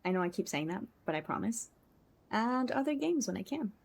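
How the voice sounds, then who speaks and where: A woman's voice: medium pitch, very animated, fairly quick, gravelly, darkish tone. A woman livestreaming a game, chatting casually and effusively with her viewers and thanking them often. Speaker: game livestreamer and content creator. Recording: music playing behind the voice. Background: music.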